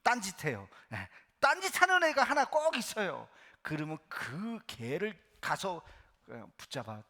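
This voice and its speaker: Korean pastor guy preaching, bright voice, swings his pitch all over. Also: unhurried. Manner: animated storytelling, acts out biblical voices; drops to a soft hush for emphasis. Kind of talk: sermon. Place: church sanctuary.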